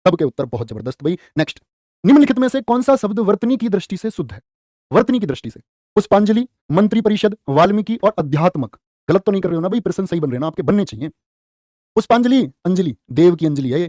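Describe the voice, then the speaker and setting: Fast, high-voiced energetic male teacher. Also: dry recording, studio quality. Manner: energetic, playful, calls students "dear children". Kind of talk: online exam-prep lesson.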